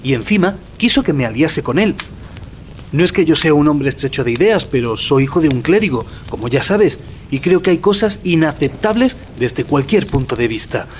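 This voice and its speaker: Casting: male actor as earnest young student, secretive and anxious, highish swooping voice, audio drama with noisy ambience. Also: expressive, moderate pace, lightly acted. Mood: indignant.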